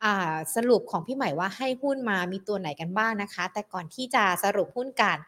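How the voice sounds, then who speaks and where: A young woman hosting a stock market live stream, a little hoarse, chatting politely and greeting viewers. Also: medium pitch, animated, quick pace. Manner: polite, chatty, peppered with soft sentence particles. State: slightly hoarse. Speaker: host of a stock market show.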